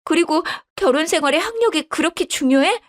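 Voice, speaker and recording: A woman voicing a scheming young daughter-in-law who begs and stammers in a shrill, whiny voice. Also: expressive, brisk. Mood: pleading.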